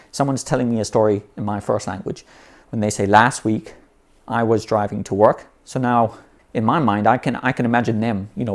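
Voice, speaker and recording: A man's voice: fairly low pitch, a little mellow. A man teaching how to learn vocabulary in an easygoing, unscripted way, often restarting phrases and saying "you know". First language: English. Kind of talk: unscripted explanatory talk.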